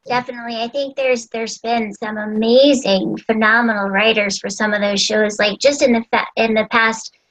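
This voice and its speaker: Higher-voiced chatty woman host. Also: steady tone, normal speed, few pauses, fairly bright tone, poor audio. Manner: chatty, fond of fillers like "like" and "you know". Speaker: host and voice actor. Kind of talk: casual interview chat.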